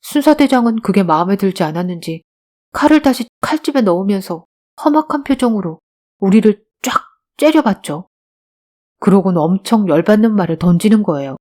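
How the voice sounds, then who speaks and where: A woman's voice: medium pitch, expressive, a little fast, warm tone, close to an everyday voice. A woman voicing a bold, scrappy twelve-year-old beggar boy who talks earnestly and pleads in an audiobook drama. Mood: telling.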